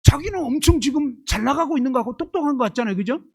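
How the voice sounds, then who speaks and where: Speaking extremely high and very fast, an animated male preacher delivers his sermon over a rough recording. He hammers the congregation with constant rhetorical questions, driving his points home emphatically through homely illustrations from daily life.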